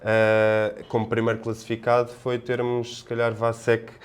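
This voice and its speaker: A man with a European Portuguese accent giving casual sports analysis as a podcast panelist, in a halting, discursive manner. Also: mid-range voice, monotone, clean tone.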